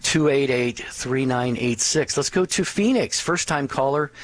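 A man co-hosting a call-in prayer radio show, speaking gently and taking listener texts. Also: medium pitch, dry recording. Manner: gentle, unhurried, reads texts aloud.

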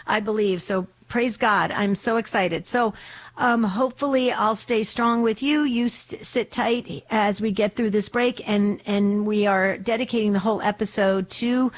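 A woman hosts a faith-centered call-in radio show, talking in a chatty, devout way. Her voice is slightly hoarse, and she restarts her sentences often. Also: mid-range voice, fairly even intonation, measured pace.

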